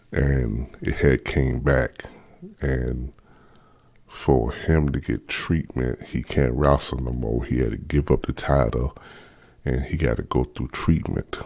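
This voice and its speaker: A man's very deep, low voice in a South Carolina accent, monotone and flat, at a very slow pace. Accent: Southern US (South Carolina). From US South, South Carolina. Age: 40s. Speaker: YouTuber. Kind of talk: casual vlog monologue. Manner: halting, many fillers.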